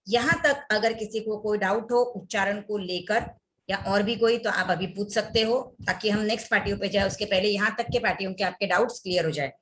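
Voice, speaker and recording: A woman's voice: medium pitch, fairly bright tone, rough recording. A young woman teaching an online class, reciting prayer words one at a time and repeating each twice for her students.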